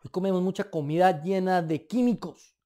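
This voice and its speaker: A man with a Colombian accent preaching a sermon in an emphatic, animated way, with light asides. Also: sits high, moderate pace. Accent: Colombian Spanish.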